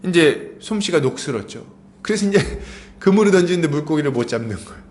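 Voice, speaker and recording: Lively Korean pastor telling a story. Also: male voice, fairly high pitch, fairly quick. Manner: animated storytelling, acting out quoted lines. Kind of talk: sermon.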